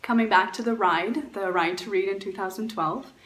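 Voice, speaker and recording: A woman's voice: medium pitch, moderate pace, a bit bright. Woman sharing bike travel advice, earnest, lots of ums and restarts, echoey room. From Poland, raised in Canada. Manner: earnest, frequent fillers and restarts. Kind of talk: recorded talk answering questions.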